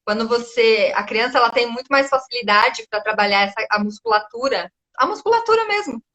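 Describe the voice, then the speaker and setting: A woman's voice: fairly high pitch, lively intonation, a little fast, sharp tone. A woman guest in a casual live chat, explaining patiently and often checking in with "né?". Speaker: guest educator.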